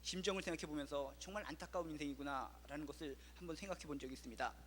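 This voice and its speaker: A man's voice: on the high side, very fast, a bit bright, long reverb tail, slight background noise. A male pastor preaching an impassioned sermon full of rhetorical questions, in a church.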